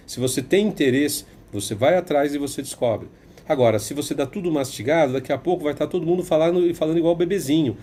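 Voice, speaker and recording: A man's voice: mid-range voice, warm tone, slight background noise. A man with a Brazilian Portuguese accent giving an opinion commentary, emphatic and sarcastic, repeating phrases for effect.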